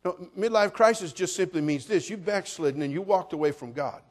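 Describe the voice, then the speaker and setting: A middle-aged man preaching a sermon as pastor, folksy and joking, building up to shouted passages. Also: high voice, animated, a little fast.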